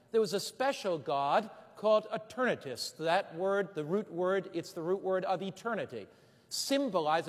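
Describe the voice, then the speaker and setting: A man preaching a sermon, asking rhetorical questions and stressing words with slow emphatic phrasing. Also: high-pitched, big-room sound. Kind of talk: sermon with travel slides.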